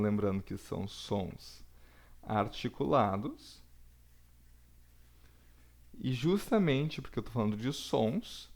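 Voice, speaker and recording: A man, teaching a recorded lesson with slow, deliberate explanations and frequent checks for understanding. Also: mid-range voice. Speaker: Portuguese teacher.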